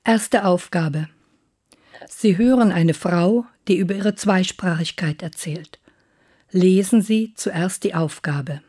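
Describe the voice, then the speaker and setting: A woman reads exam instructions very slowly and deliberately. Her low, dark voice stays measured and formal throughout. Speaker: exam announcer. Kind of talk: scripted test instructions.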